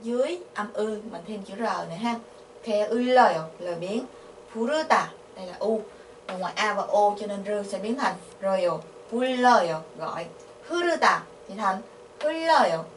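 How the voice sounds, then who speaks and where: Here a Korean language teacher with a Vietnamese accent speaks at medium pitch in an animated way while explaining grammar. Patient throughout, she poses questions to the class and slowly repeats syllables. Her sound is roomy and far off, with a little background noise.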